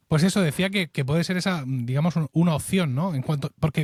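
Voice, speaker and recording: A man's fairly high, somewhat breathy voice with a Murcian accent, very fast with ordinary pitch variation, dry and close with no echo. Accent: Murcian accent from the Ricote Valley. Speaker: podcast host. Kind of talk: casual panel debate.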